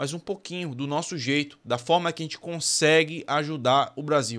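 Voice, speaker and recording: This man talks at a moderate pace in an animated tone, his pitch fairly high. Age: 20s. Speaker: YouTuber. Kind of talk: casual vlog commentary. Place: home room.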